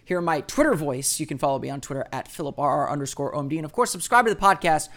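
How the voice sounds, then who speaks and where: A man's voice: expressive, fast talker, fairly bright tone. A man hosting a daily sports podcast, talking in a chatty, rambling way with asides. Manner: puts on a booming radio voice for the intro.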